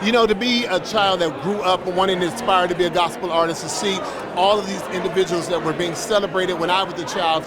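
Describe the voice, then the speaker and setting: Male gospel artist, high voice, earnest interview answers over heavy crowd noise. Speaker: gospel singer being interviewed. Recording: loud crowd noise outdoors.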